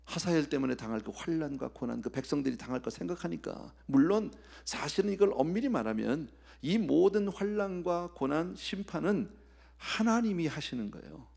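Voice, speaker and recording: Gravelly, husky Korean pastor preaching. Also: male voice, fairly high pitch, normal speed. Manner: animated, acts out scenes and drops to whispers; talks straight to the congregation with rhetorical questions. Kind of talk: expository sermon at a midweek prayer service.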